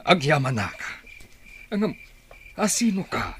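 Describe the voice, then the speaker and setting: A man's voice: a little high, sing-song, measured pace, a bit bright, slight background noise. A man with an Ilocano Filipino accent playing an imprisoned tribal leader, wary and anxious, in a dramatic radio play. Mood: anxious, grateful.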